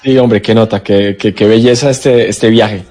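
A man from Colombia, an actor in his forties, chatting in a relaxed way on a radio interview, with many restarts. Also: lowish voice, normal speed, soft background music. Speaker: guest actor. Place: radio studio.

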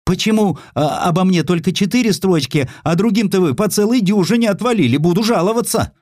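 A man's voice: high-pitched, animated, brisk, a little mellow, no room sound, clean studio sound, voice pushed up. A man voicing a vain, pushy petitioner who hesitates and complains indignantly in an audiobook. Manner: indignant, hesitating with filler sounds. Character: pushy high-voiced vain contemporary demanding a place in print.

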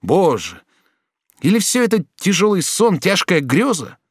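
A tormented young man, as a male audiobook reader plays him, who answers with reproach and doubt. The voice is pitched a little high for a man. The sound is dry and close to the mic. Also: huge pitch swings, measured pace, slightly rough, no room sound, full character voice. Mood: anguished. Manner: anguished, reproachful. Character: torn, agitated young man.

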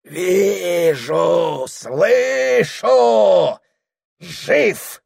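A man voicing a frenzied old shaman in a trance, chanting and crying out in hoarse, wild shouts. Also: high-pitched, very slow, no room sound, studio quality, voice pushed up, full character voice.

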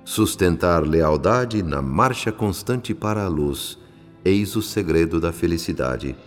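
A Brazilian man playing a humble, reverent narrator in a radio drama, speaking in a measured, literary and solemn way. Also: low voice, expressive. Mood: reverent, moved. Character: reverent, moved male spirit narrator, humble disciple. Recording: long hall reverb, music behind. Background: music.

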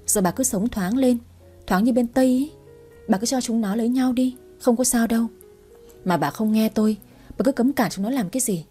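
A woman's voice: fairly high pitch, moderate pace, warm tone, breathy edge, soft background music. A woman voicing an outspoken, easygoing elderly neighbor who chides bluntly. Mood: chiding. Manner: blunt, chiding.

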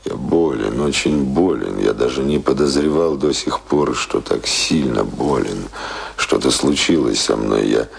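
A man's voice: extremely low pitch, measured pace, gravelly, husky, exaggerated voice. A man acting in a Russian radio play as an embittered, celebrated man who is sick of life, speaking in brooding theatrical monologue. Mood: weary, despairing. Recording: radio drama with music underneath.

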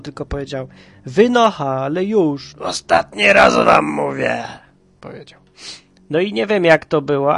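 A man from Kraków with a head cold, reading a children's story aloud in a lively, playful way. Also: a little high. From Kraków, Poland. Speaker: storyteller and podcast host.

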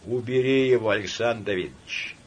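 A man's voice: fairly low pitch, natural voice. A man doing a cold, sardonic zoologist. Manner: calm, measured and cool.

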